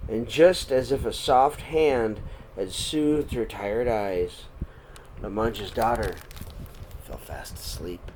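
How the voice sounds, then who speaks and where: A man reading a story aloud for children in an expressive, dramatic storytelling style. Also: on the low side, takes it slowly. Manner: dramatic, swinging between hushed and projected. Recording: clear background noise.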